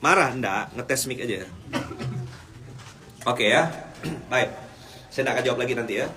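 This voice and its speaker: A man's voice: mid-range voice, animated, measured pace, reverberant. A man from Indonesia preaching a humorous sermon to a live audience, teasing the crowd and asking them questions. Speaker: Islamic preacher. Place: hall in Japan.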